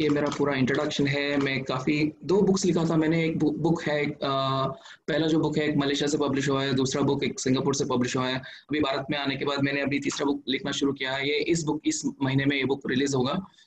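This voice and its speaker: This man talks at a moderate pace. His pitch is fairly high and his intonation flat and monotone. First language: not Hindi, speaks English and a South Indian language (speaking Hindi). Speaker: memory trainer and author. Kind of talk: talk to online club audience, Hindi-English mix. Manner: halting, many fillers.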